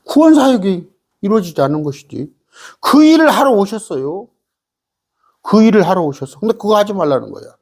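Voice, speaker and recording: With a high, slightly husky voice, a male pastor delivers a sermon, his pitch swooping up and down as he hammers each point home. He peppers the congregation with rhetorical questions and quick "eh?" asides.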